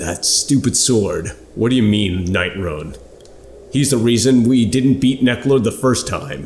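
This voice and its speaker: A man puts on a character voice at a medium pitch, with lively intonation. He speaks at a fairly slow pace over clear background noise. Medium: actual play. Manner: brash, blunt.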